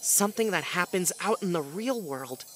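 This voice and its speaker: A woman's voice: lowish voice, animated, moderate pace, fairly bright tone. A woman voicing an anxious, self-deprecating writer and hopeless romantic in a comic dub, with a dramatic, self-pitying manner. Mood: defensive, despondent. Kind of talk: comic dub voice acting with inner monologue. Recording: music bed under the voice.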